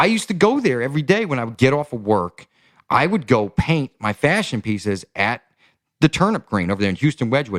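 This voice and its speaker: A man's energetic, medium-pitched voice at a fairly quick pace, with very wide pitch swings and a dry, close sound with no echo. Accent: New York. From Albany, New York. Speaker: fashion designer and artist. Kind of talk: casual podcast interview. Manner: halting, many restarts.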